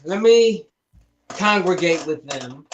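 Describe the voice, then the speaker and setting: Softly teasing woman co-host. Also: on the low side, lively intonation, takes it slowly, highs cut off, slight background noise. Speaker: co-host performing characters. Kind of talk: casual chat.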